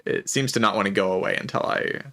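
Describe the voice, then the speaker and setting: A man livestreaming a game and chatting casually, with heavy vocal fry, a low-energy hesitant delivery and a voice strained by a lingering cough. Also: quick pace, sharp tone. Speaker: game streamer. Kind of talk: casual livestream chat while playing a game.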